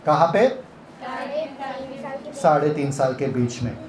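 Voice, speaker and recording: A man's voice: on the high side, animated, takes it slowly, a little mellow. A man leading a Bible retreat session, teaching interactively and quizzing listeners with repeated questions. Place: retreat hall. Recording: echoey hall.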